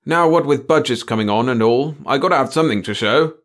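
A man's voice: mid-range voice, expressive, a little fast, fairly bright tone, voice pushed up, lightly acted. A man voicing an anxious, wheedling male lab chief in a story, pleading and flustered. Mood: flustered, wailing. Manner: pleading, whiny, hasty. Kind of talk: storybook character voice in narration.

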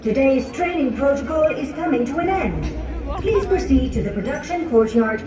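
A park announcer giving polite, measured public announcements over an outdoor loudspeaker. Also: high-pitched, animated, distant mic. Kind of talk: formal bilingual public announcement. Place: outdoor theme park area. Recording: echoey loudspeaker heard from afar, music and crowd.

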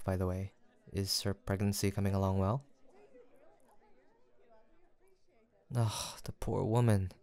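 A man playing a gentle, kindly young village apothecary in a soft roleplay audio drama, speaking politely and formally with attentive reassurance. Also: on the low side, smooth, no echo, natural voice. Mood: caring, courteous.

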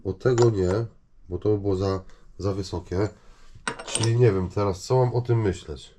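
A man giving casual, rambling vlog commentary, halting and repeating himself as he addresses viewers. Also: fairly low pitch, noisy background. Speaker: vlogger showing finds from discarded junk.

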